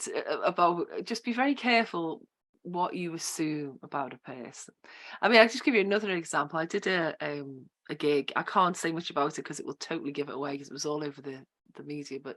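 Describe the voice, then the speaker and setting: Against a quiet background, a woman with a Liverpool accent speaks at a fairly low pitch with lively intonation. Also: big swings in loudness. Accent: regional Liverpool (Scouse). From Liverpool, England. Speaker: ethical social engineer, security tester. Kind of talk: podcast interview. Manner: animated, conversational with fillers.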